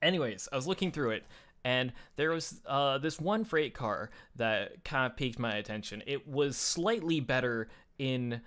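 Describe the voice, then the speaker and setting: A man's voice: medium pitch, animated, moderate pace, fairly bright tone. A man co-hosting a casual online show, talking in a rambling way with many fillers and restarts. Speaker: podcast co-host. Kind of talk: casual chat.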